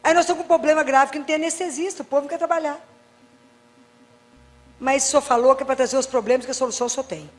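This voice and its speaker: A Catholic doctor giving a faith talk, telling anecdotes and acting out dialogues with wry humor. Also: female voice, high voice, fairly even intonation, very fast, long pauses, in a large hall. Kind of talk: preaching talk with lively anecdotes.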